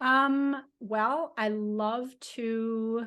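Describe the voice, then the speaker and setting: A woman with a Minnesotan accent against a quiet background. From US Midwest, Minnesota. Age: 50s. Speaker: breast cancer survivor. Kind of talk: interview.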